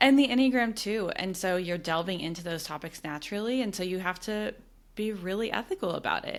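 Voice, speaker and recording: A woman with an American accent uses a normal speaking voice with ordinary pitch variation on a very clean recording with a silent background. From Texas. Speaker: podcast host. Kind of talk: casual chat.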